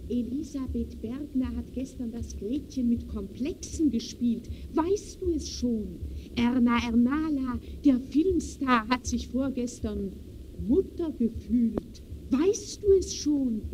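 Bossy society gossip, high emphatic voice, measured pace, noisy vintage radio drama. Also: female voice, expressive, a little mellow. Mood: bossy, gossipy. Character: bossy, gossipy society woman with cultural pretensions. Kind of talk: 1920s German radio play acting. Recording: noisy old radio recording.

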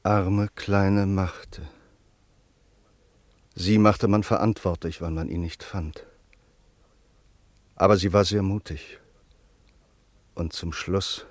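A man acting a sombre friend who narrates a German radio play in a measured, grave, deliberate way. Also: sits low, no room sound. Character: sombre male friend recounting an exile's fate.

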